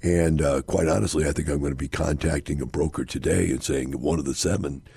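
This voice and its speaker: A hoarse man hosting a radio show on investing, talking casually and rambling with many fillers and restarts. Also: a bass voice, steady tone, fairly quick, mellow. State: hoarse, scratchy voice.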